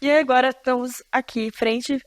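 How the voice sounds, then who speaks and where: High, expressive woman pastor hosting. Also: moderate pace, dry recording. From Florianópolis, Brazil. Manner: lively, expressive, laughs often, preachy asides to listeners. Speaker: pastor and podcast host. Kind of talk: casual faith-based podcast conversation.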